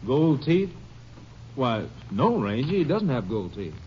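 An actor playing an obliging, matter-of-fact country doctor in a 1950s radio western. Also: male voice, mid-range voice, big pitch swings, unhurried. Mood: helpful. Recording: muffled old radio recording.

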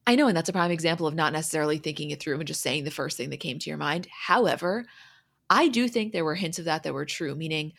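This podcast host has a deep, creaky, slightly bright voice and talks fast. In a relaxed, chatty recap, she walks through each scene and repeats the quoted dialogue of who said what.

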